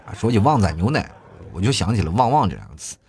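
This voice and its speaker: A man in his thirties reading out viewer comments in casual chat, often shouting quoted lines in exaggerated voices. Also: fairly low pitch, big pitch swings, fast talker, creaky, over music. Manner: chatty, acts out quoted lines loudly.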